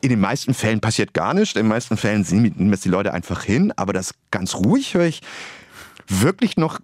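A man's voice: fairly low pitch, very animated, a little fast, a little mellow, no room sound, studio quality. A man who stutters, repeating words and restarting sentences, speaking reflectively as a guest in an interview.

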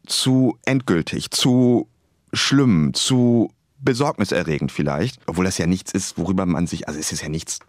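Male guest in his forties, stutters, low-pitched, close dry studio sound. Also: normal speed, no room sound. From Bremerhaven, Germany. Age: 40s. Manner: stuttering, reflective. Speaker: author and journalist guest. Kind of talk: radio interview.

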